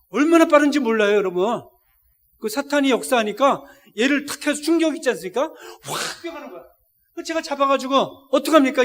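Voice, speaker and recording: Very high-voiced middle-aged preacher man. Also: fairly bright tone. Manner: emotional storytelling, directly addressing the congregation. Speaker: missionary preacher. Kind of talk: sermon. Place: church service.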